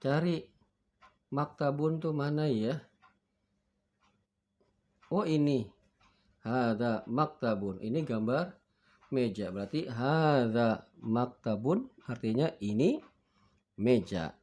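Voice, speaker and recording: A man's voice: mid-range voice, expressive, slow, pauses often, dark tone. A man teaching a beginner Arabic lesson, reading each word twice for students to repeat and acting out forgetting and looking up words. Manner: patient, acts out forgetting and finding words.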